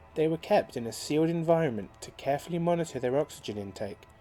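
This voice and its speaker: A man's intonation is lively. Background music accompanies him. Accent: British. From United Kingdom. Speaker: creepypasta story reader. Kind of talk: horror story reading.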